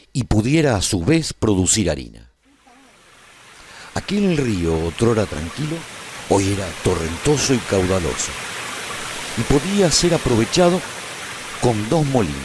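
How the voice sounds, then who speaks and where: A man playing a survivor who narrates a post-apocalyptic radio serial in the first person, in a measured, formal storytelling manner. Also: mid-range voice, darkish tone, no echo, clean studio sound. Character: male survivor recounting the rebuilding of a post-apocalyptic world.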